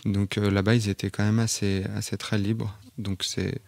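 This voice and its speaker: Low, flat-voiced hesitant Frenchman. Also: moderate pace, no room sound. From Auvergne, France. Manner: hesitant, many fillers and restarts. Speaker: photographer and artist, podcast guest. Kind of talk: reflective interview talk.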